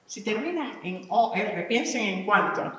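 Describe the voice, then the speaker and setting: Slow-talking woman in an echoey hall. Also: mid-range voice, lively intonation, sharp tone, recorded from a distance. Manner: drills word lists aloud, asks the audience questions. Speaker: conference speaker teaching English vocabulary. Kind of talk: live conference talk. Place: large conference hall.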